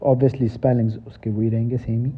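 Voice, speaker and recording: A middle-aged male teacher. He reads English grammar rules slowly word by word, then explains them in a relaxed way. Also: medium pitch, breathy edge. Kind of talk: recorded classroom lecture. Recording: tinny phone-like lecture recording.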